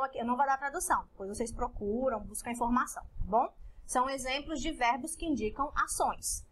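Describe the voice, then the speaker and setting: A woman's voice: high-pitched, a bit bright. A woman from Brazil with a Brazilian Portuguese accent, teaching an English grammar lesson in a didactic way and often checking in with the class. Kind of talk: recorded lesson explaining grammar.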